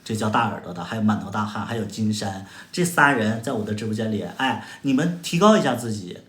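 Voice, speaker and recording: A man's voice: on the low side, animated, brisk, fairly bright tone. A man from Heilongjiang with a Northeastern Mandarin accent, hosting a livestream and firing sarcastic, combative retorts at viewer comments with exaggerated exclamations. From Heilongjiang, China. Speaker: livestream host. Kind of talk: casual livestream chat answering viewer comments. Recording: echoey room sound.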